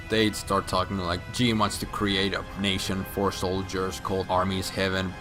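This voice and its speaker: Male comic recapper: drunk, sweary, rambling, low-pitched and forceful, music underneath. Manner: drunk, rambling, profane, with emphatic outbursts. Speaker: video game storyline explainer. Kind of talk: casual comedic story recap. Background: background music.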